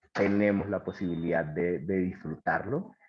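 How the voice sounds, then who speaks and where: This man's voice sits fairly low, and he keeps a moderate pace. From Colombia, La Guajira (Wayuu community, Maicao). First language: Wayuunaiki (speaking Spanish). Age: 40s. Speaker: dance artist and speaker. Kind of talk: lecture. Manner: hesitant, with fillers and repetitions.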